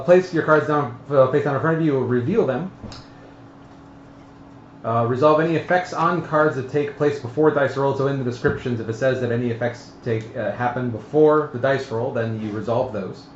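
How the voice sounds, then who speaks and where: A man's voice: mid-range voice, a little fast. A man talking casually as he explains tabletop game rules step by step to the players, somewhat hesitantly. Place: echoey room at a group game table. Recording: roomy, muffled livestream audio with background noise.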